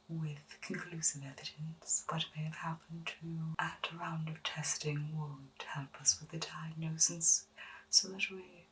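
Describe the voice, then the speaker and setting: A woman acts out a gentle, eccentric lady doctor in an ASMR roleplay. Her whisper is slow and low, with measured, courteous phrasing meant to soothe. It is picked up slightly from off, with faint hiss. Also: recorded from a distance. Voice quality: breathy whisper. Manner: soothing, measured, formally polite. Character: gentle, eccentric female doctor at strange monster clinic.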